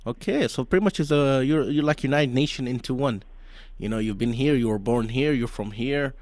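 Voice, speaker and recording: A man's voice: medium pitch, a little fast, a little mellow, dry recording. A male radio host running an interview, upbeat and teasing as he asks his questions.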